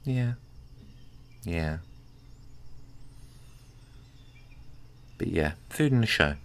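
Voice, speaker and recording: Casting: a man to play a sweet, awkward pint-sized pal for ASMR roleplay; very deep, slow, flirtatious and bashful. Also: animated, vocal fry, smooth, heavily acted. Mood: fond, bashful. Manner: gentle, hesitant, bashfully rambling. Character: kindly, awkward, flirtatious tiny-sized male friend, caring and teasing. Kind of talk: ASMR roleplay, intimate conversational acting.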